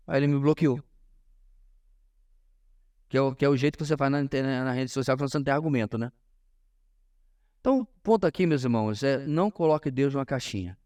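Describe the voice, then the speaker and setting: A man's voice: on the high side, darkish tone. Brazilian man teaching as a pastor. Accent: Brazilian Portuguese. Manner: emphatic, pausing, frequently addressing listeners directly. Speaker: pastor teaching a Bible class. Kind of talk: informal sermon-like lesson to a congregation.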